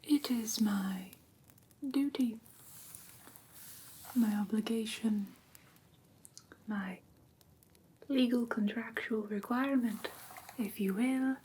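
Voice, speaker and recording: A woman voicing a prim, strict vampire teacher in a soft, breathy whisper, formal and precise, for an ASMR roleplay class. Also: on the high side, heavily acted. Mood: prim, stern. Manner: formal, precise, deliberate, theatrically stern. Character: prim, strict female vampire teacher of human pet care. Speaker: ASMR performer.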